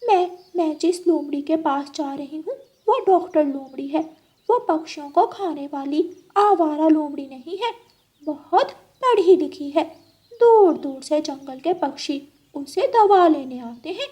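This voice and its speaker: Woman playing a cartoon black cat, sly, deceitful, meowing, high-pitched, slow. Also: lively intonation, mellow. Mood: coaxing. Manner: sweet-talking and deceitful, punctuated by meows. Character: sly scheming female black cat who meows.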